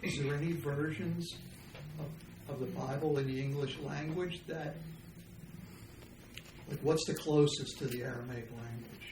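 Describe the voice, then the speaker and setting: A man's voice: a little high, steady tone, measured pace, pauses often, slight background noise. A man in the audience asking hesitant questions of the teacher. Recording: quiet, distant from the mic.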